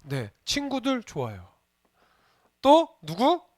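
A man's voice: extremely high pitch, huge pitch swings, slow pace, a little mellow, no room sound, clean studio sound. A man, a junior pastor, giving a playful children's sermon and asking the kids questions as he goes. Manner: playful, asks the children questions and jokes with them.

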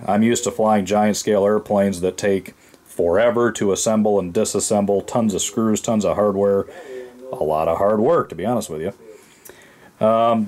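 A middle-aged man giving a casual, rambling hands-on review of a model airplane in his home workshop, talking through a camera mic with lots of fillers. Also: fairly low pitch. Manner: relaxed, rambling, many fillers.

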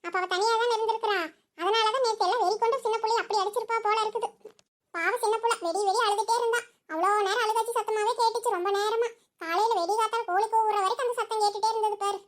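Woman voicing Karuppayi, a shrill gossiping neighbor. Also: steady tone. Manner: breathless rapid gossiping, chuckling asides. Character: gossiping nosy village woman neighbor, insistent. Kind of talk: cartoon voice acting.

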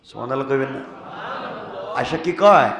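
A man preaching a Friday sermon, swinging from hushed storytelling to loud emotional calls and asking the congregation questions. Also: mid-range voice, expressive, fairly quick, a crowd in the background. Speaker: Islamic preacher. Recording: echoey hall.

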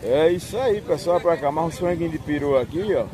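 Filming an outdoor animal market amid crowded, noisy surroundings, a man with a Northeastern Brazilian accent gives casual walking-vlog commentary, chatting away and constantly pointing things out. His voice is slightly high, and he talks briskly and with animation.

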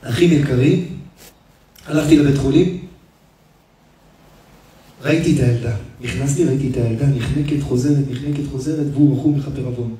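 A man, a rabbi, preaching an emotional sermon and telling stories, his delivery swinging between loud and hushed. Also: medium pitch, long pauses. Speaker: rabbi giving a lesson. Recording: echoey hall, speaker far from the mic.

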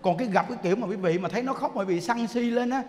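A man with a Southern Vietnamese accent preaching a Buddhist sermon in a lively way, often asking the audience questions. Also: high-pitched, racing, slight background noise. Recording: long hall reverb.

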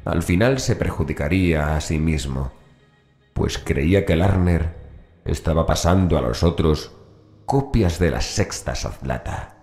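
A man's voice: very deep voice, unhurried, a little mellow. A man narrating a scripted horror story as an audiobook narrator, with music behind him. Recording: voice over background music.

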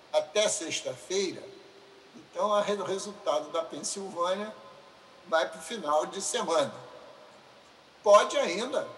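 A man with a Brazilian Portuguese accent giving a formal, deliberate speech in a legislative chamber, addressing a colleague formally. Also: high-pitched, a bit bright. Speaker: state deputy. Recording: roomy chamber sound with faint hiss.

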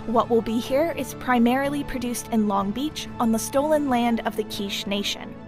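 A woman's voice: on the high side, moderate pace. A woman reading scripted credits as the announcer of an audio production. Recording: prominent music under the voice. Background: music.

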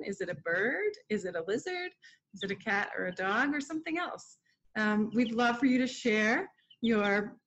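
A woman's voice: fairly high pitch, fairly bright tone. A middle-aged woman presenting an informal educational art lesson for children from a room at home over a video call. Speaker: museum educator hosting an online art lesson. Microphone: computer mic on a video call. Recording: dull, lo-fi video call audio.

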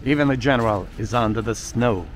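A man's voice: mid-range voice, brisk, slight background noise. Chatty man guiding a snowy walk. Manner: chatty, jokey asides to viewers. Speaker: walking tour vlogger. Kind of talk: casual walking tour narration. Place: outdoors on snowy city streets.

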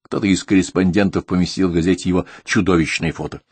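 A man reading an audiobook in an even, measured narration. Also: low voice, breathy edge, dry recording. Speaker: audiobook reader. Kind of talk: scripted narration.

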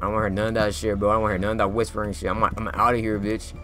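A young man with a fairly low speaking voice calls out a horror game as he plays, swearing freely and bursting into loud yelps. His casual streamer talk sits over music playing clearly underneath. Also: flat delivery, very fast. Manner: profane, loud reactions, yelling at the game. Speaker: gaming YouTuber.

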